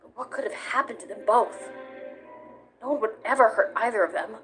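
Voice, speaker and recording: A woman's voice: a little high, fairly quick, fairly bright tone, soft background music, close to an everyday voice, rough recording. A woman playing a brash, protective warrior with a big-sister temper and an emphatic delivery in a dramatic comic dub. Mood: worried, puzzled.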